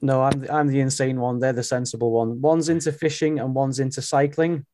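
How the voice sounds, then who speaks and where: A Welsh man in his late thirties, a native Welsh speaker chatting casually as a podcast guest, friendly and quick to laugh. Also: medium pitch, little pitch movement, dark tone, no echo. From Wales. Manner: friendly, laughs often, restarts words. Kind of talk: casual interview chat. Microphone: remote call.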